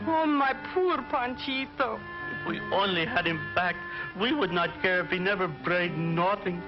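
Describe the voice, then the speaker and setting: A man's voice: high-pitched, a little slow, pitched above the performer's own voice. A man voicing a sad papa and mama donkey in a storybook record. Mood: mournful. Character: sad old donkey parents. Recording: dull lo-fi record with music.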